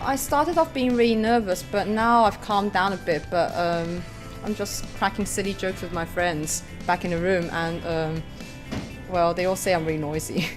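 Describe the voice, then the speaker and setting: A woman's voice: fairly low pitch, fairly even intonation, moderate pace, over music. A young woman from Taiwan talking in a chatty, self-deprecating way, a little away from the mic.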